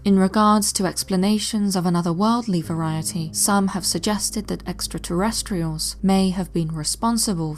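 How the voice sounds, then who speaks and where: A woman telling a mystery in scripted narration, measured and now and then dropping to a hushed near-whisper. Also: on the low side, a little hiss or hum.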